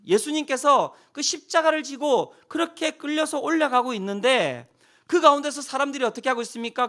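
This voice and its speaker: A man preaching a revival sermon as pastor, swinging between loud cries and hushed near-whispers and putting rhetorical questions to the congregation. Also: very high voice.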